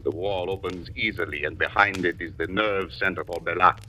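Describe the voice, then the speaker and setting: An actor playing a French doctor who leads the underground, slow, controlled and quietly threatening, in 1940s radio drama style. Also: male voice, sits low, fairly even intonation. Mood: calm. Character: French doctor leading the underground, calm, menacing. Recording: noisy old radio broadcast.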